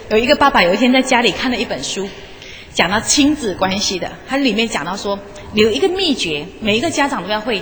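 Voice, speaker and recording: A woman's voice: a little high, a bit bright. A woman, a former teacher, giving a live motivational talk in a chatty, coaxing way and often asking the audience questions. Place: lecture hall. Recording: echoey hall, faint background noise.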